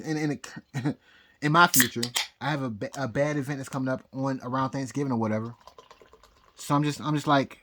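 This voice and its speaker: A man in a rambling, drunk-sounding personal rant, halting and repeating his phrases, speaking emphatically and defiantly. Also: medium pitch, a bit bright, a little hiss or hum. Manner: emphatic, defiant talk of fate and God. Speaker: astrologer.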